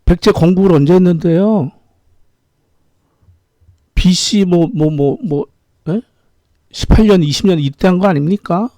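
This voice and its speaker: Brief: middle-aged man, political commentator, indignant, rhetorical, fairly high-pitched, dark tone, dry room. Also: measured pace, long pauses, no echo. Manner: indignant, rhetorical questions, repeated "예?". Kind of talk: opinionated political monologue.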